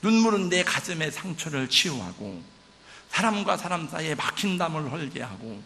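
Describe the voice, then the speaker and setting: A man's voice: on the high side, very animated, moderate pace, bright, forceful tone, slight background noise. An older man, a pastor, preaching a sermon in a church with vivid, emotional storytelling. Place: church sanctuary. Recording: church hall reverb.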